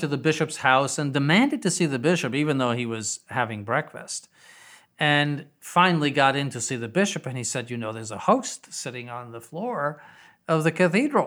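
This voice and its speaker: Using a normal speaking voice, a man talks at a moderate pace with fairly high pitch and lively intonation. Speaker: bishop and seminary rector. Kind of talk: interview discussion.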